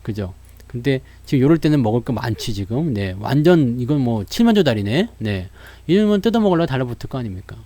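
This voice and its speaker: A man's voice: medium pitch, very animated, brisk, warm tone, no echo. A man giving a live stock market lesson, acting out investors' worries and answering them while talking straight to viewers. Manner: addresses viewers directly with frequent fillers.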